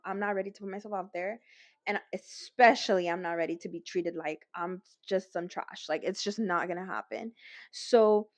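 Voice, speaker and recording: A woman's voice: medium pitch, dry recording. A young woman with a Los Angeles Latina accent, telling a casual storytime and acting out quotes with lots of fillers. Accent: Los Angeles Latina, mixes in Spanish. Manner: animated, acts out quotes, frequent fillers. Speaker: vlogger.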